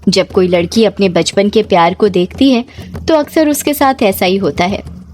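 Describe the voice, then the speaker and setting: A woman narrating a horror story in steady, dramatic storytelling. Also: medium pitch, moderate pace, slight background noise.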